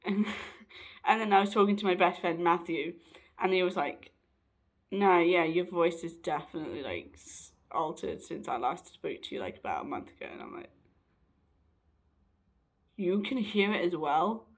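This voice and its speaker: A young trans man, rambling casually in a personal vlog, often correcting himself and laughing, his voice slightly raspy and hoarse. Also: high voice, expressive, moderate pace, pauses often. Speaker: vlogger.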